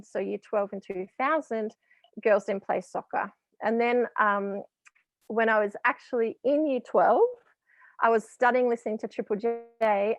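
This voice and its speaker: A woman's voice: mid-range voice, creaky, dry recording, dull audio. An Australian woman in her thirties, telling stories in a casual interview and laughing often. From rural Victoria, Australia. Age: 30s. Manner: chatty storytelling, laughs often. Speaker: guest.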